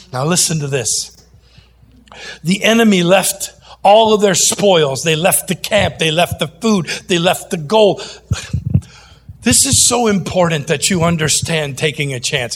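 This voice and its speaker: A man preaching a sermon, animated and jokey, moving between loud outbursts and quiet asides. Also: a little high, creaky, slight background noise.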